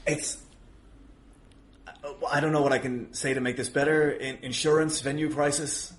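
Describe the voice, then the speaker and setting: In a made-up comic argument on a podcast, a wrestling show promoter offers hesitant apologies to placate someone. His voice sits on the high side, with a level tone and moderate pace.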